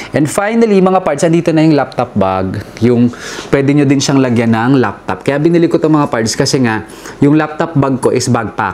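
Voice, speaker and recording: A man's voice over noticeable background noise. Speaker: travel and unboxing vlogger. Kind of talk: unboxing vlog. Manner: casual, conversational Taglish.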